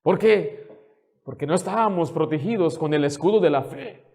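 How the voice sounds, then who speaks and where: A man's voice: a little high, moderate pace, creaky, darkish tone. A man pastor preaching a sermon, fervent and indignant, firing rhetorical questions at the congregation. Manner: indignant, scolding.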